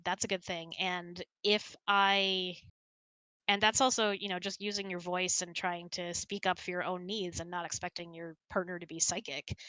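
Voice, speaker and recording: A middle-aged woman with a fairly low but bright voice, talking candidly as she hosts a casual relationship chat. The sound is dry and close, and her wording is informal and direct. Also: no echo, rough recording. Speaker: host.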